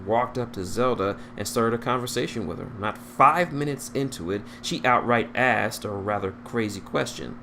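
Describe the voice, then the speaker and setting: A man with a low voice narrates a story in an amateur read-aloud style. He occasionally stumbles and repeats a phrase, and there is clear noise in the recording. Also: a bit bright. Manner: stumbles over words and rereads phrases. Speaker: fan fiction reader.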